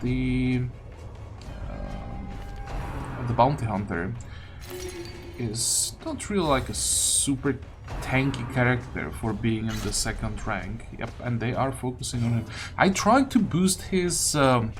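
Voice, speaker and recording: Guy doing casual gameplay commentary, kinda hesitant, thinking out loud, game music pretty loud behind him. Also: medium pitch, very animated, takes it slowly. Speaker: gaming video host. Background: video game music.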